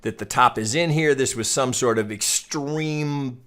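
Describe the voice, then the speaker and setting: A man's voice: mid-range voice, measured pace, a bit bright. Male market analyst, mid-range voice, talking through charts off the cuff in a blunt, opinionated, conversational way. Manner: conversational, opinionated, casually profane, often checking with "right?". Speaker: trading educator and market analyst. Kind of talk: informal screen-share chart commentary.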